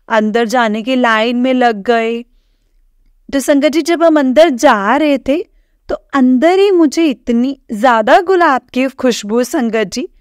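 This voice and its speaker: A woman sharing a devotional testimony with a congregation, earnest and halting, with many fillers and restarts. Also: on the high side, smooth, no echo, studio quality. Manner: earnest, keeps addressing listeners as "sangat ji".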